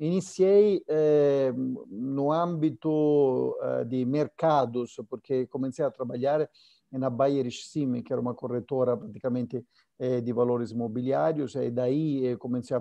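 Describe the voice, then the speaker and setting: With an Italian accent, a man speaks at a fairly slow pace and with ordinary pitch variation. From Sicily, southern Italy. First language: Italian (speaking Portuguese). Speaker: business restructuring executive. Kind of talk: interview. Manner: halting, many fillers.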